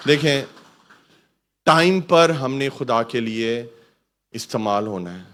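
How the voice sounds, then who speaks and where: A man's voice: mid-range voice, expressive, noisy background. A man preaching as a pastor in a fervent sermon, often calling out hallelujah and mixing in English words. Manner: fervent, calls out hallelujah and asks the church to repeat.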